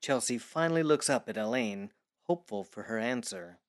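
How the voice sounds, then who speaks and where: A man's voice: medium pitch, lively intonation, moderate pace, gravelly. A man working as narrator and announcer, reading scripted narration for an audio drama.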